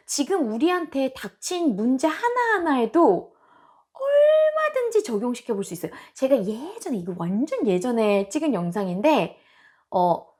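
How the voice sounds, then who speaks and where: A woman hosting a self-improvement channel, talking casually and expressively to her viewers. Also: high voice. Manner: animated and expressive, with acted-out quotes.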